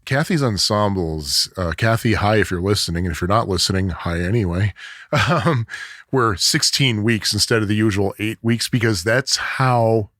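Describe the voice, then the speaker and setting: A man with a bass voice co-hosting a podcast, chatting in a jokey, animated way. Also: normal speed, dry recording, studio quality. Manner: animated, jokey, swoops in pitch. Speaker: podcast co-host. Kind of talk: casual chat.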